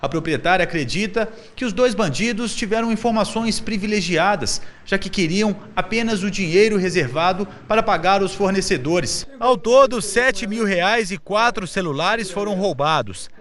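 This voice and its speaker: Repórter brasileiro de voz aguda. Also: male voice, high voice, expressive, fairly bright tone. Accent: Brazilian Portuguese. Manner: measured, neutral reading. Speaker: reporter. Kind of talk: scripted news voice-over.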